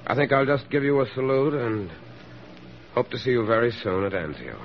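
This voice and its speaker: An actor playing a teasing, affectionate young army lieutenant in a 1940s radio drama, on a dull old radio recording with faint hiss. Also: male voice, mid-range voice, big pitch swings, normal speed. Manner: teasing, gentle.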